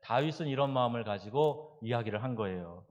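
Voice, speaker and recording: A male pastor preaching a sermon, emphatic and building to loud exhortation. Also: medium pitch, expressive, brisk. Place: church sanctuary. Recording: church sanctuary with long reverb.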